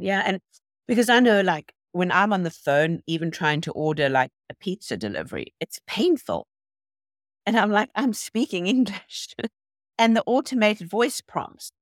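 Woman, South African accent, low register, reflective conversational interviewee, dry recording. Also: dry recording. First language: Afrikaans. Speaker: interview guest, nurse.

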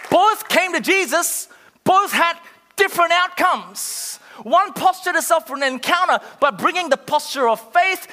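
A man preaching a sermon as pastor, impassioned, with shouted peaks and calls to the congregation. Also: very high voice. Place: church auditorium. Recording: reverberant church hall.

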